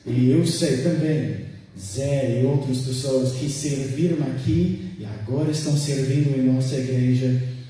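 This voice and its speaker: A man with an American accent, a native English speaker, preaching a sermon and reading scripture in slow, careful, halting speech, recorded from far off in a church sanctuary. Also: mid-range voice, fairly even intonation, mellow, slight background noise. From United States. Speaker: guest preacher. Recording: echoey church hall from far off.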